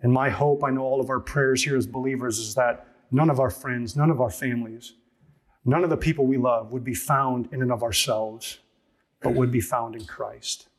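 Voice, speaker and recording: Pastor, male, mid-pitched husky voice, earnest emphatic sermon delivery with pointed questions. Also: steady tone, normal speed.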